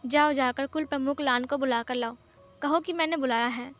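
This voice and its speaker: A woman voicing a calm, commanding young male master who gives firm, clipped orders in a storybook recap. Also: high-pitched, moderate pace, highs cut off, soft background music.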